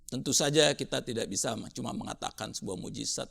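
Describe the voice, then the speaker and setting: A man's voice: mid-range voice, fast talker, creaky, fairly bright tone. A man delivering a sermon as a Christian preacher, emphatic and rhetorical, repeating phrases for dramatic effect.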